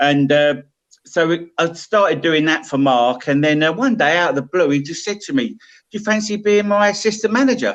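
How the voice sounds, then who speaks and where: Speaking at a fairly quick pace, a man with a strong Southern English accent uses a high pitch and lively intonation. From south London (Sutton). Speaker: football commentator and coach. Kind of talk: phone-in chat. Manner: enthusiastic.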